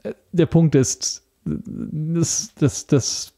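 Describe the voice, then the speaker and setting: Gravelly, hesitant man. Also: fairly high pitch, steady tone, extremely slow, dark tone. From Italy. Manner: hesitant, searching for words. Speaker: podcast guest. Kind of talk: casual interview talk.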